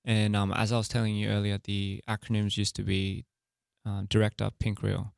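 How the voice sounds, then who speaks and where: A young man with a low, gravelly voice talks through an interview in an easygoing, candid way. He leans on fillers and laughs easily, and the sound is dry and close with no room around it. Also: completely flat delivery, normal speed, no echo. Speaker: interview guest, music artist and director. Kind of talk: casual interview chat.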